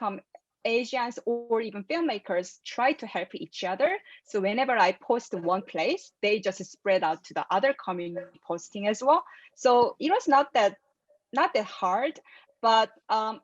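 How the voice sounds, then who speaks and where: A woman's voice: a little high, animated, moderate pace, no echo. Woman, dry lo-fi call audio. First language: Korean. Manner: careful, earnest, soft laughs between points. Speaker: filmmaker guest. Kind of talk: interview answers. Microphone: video call.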